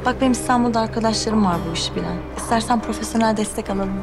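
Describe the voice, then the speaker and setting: A young actress playing a scheming rival who talks to others in a sugary, mocking, patronizing way, in a TV drama. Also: female voice, fairly high pitch, racing, lightly acted. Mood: taunting. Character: sly, condescending young woman rival. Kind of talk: television drama acting. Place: hotel meeting hall. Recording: scene music underneath.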